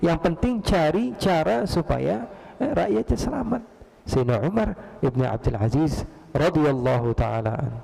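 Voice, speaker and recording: A man's voice: a little high, lively intonation, measured pace, vocal fry, mellow. A man preaching a storytelling sermon, acting out the voices in his tale and putting questions to the audience. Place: large mosque hall. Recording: long hall reverb.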